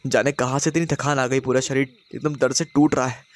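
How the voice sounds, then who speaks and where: A petulant young wife snaps back in a defiant, sharp-tongued voice in a spoken horror story. A man voices her, lifting his pitch a little above his narrating voice. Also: fairly even intonation, fairly quick, natural voice. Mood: weary.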